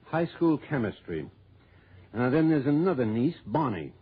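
A precise insurance office manager. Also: male voice, mid-range voice, very animated, normal speed, husky. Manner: precise, matter-of-fact, slightly gossipy. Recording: tinny phone-like old radio broadcast.

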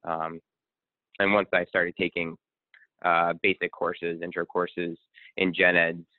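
Deep-voiced man on a tinny line. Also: takes it slowly, no room sound. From Connecticut, USA. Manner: relaxed, rambling with many ums. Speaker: guest, speaker and coach. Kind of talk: casual interview. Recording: tinny phone-line sound.

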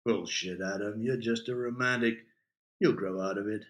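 A man's voice: lowish voice, steady tone, moderate pace, reverberant, close to an everyday voice. A man voicing a wry young American man with an American accent, dry and joking. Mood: dismissive.

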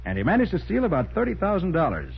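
An actor playing a shrewd, commanding master detective, explaining assertively and slangily in 1940s radio crime style on a muffled vintage recording. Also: male voice, high-pitched, wildly swooping pitch, fast talker, gravelly, slight background noise, full character voice. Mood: confident explaining.

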